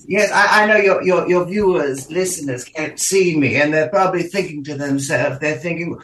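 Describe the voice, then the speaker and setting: A man's voice: a little high, normal speed, a bit bright, reverberant, a little hiss or hum, close to an everyday voice, poor audio. A man voicing a vain, aging Eastern European countess and drag diva, with a theatrical, stammering manner and a vaguely Eastern European, mid-Atlantic accent. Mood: grand, campy. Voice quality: theatrical, stammering, self-mocking. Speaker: guest performer. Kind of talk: campy in-character radio chat. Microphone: phone or remote line from home.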